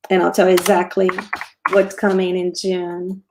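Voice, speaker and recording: A woman's voice: on the low side, completely flat delivery, normal speed, noisy background. A woman from Brazil with a Brazilian accent, hosting a casual livestream about stocks, often restarting sentences and answering viewer questions. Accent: Brazilian Portuguese. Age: 40s. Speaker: show host, trader.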